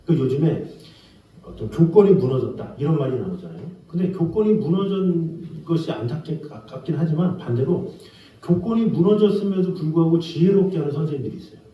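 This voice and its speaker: A middle-aged man preaching from the pulpit in a lively, rising and falling voice, throwing out rhetorical questions and playing out the people he quotes. He sounds far from the mic in a very echoey sanctuary, on a dull recording. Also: a little high, brisk. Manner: acts out quoted scolding and gentle voices. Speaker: pastor. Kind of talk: sermon. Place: church sanctuary. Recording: roomy, distant, dull church recording.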